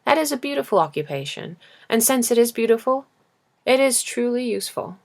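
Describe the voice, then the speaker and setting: A woman performs a small, serious boy from a storybook. The voice sits higher and is gently persistent, with earnest curiosity and plain, thoughtful phrasing. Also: very animated, a little fast, creaky. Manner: earnest questioning, simple and thoughtful. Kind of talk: storybook character reading.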